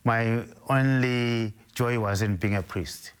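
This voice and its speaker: An older man with a Zimbabwean accent, a Catholic bishop, talking through his life in an interview in a measured, hesitant way with frequent restarts. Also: medium pitch, clear, resonant tone.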